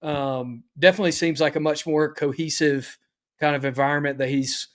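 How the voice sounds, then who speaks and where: A man co-hosting a casual sports podcast, talking in a measured, agreeable way. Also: a little high, steady tone, fairly bright tone. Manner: measured, agreeable, many "uh" fillers.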